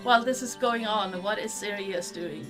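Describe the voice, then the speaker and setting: A woman's voice: medium pitch, moderate pace, over music. A woman narrating as game master in a tabletop game, speaking hesitantly with many fillers.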